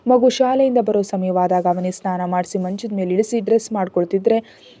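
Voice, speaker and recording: A woman's voice: medium pitch, steady tone, a little fast, warm tone. A woman reading a romantic family story aloud as a storyteller, voicing the characters' lines in her own narrating voice.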